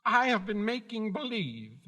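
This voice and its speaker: A man's voice: high-pitched, sing-song, measured pace, bright, forceful tone, big-room sound, voice pushed up, exaggerated voice. A man voicing a meek little old humbug wizard with a trembling voice, hesitant and apologetic.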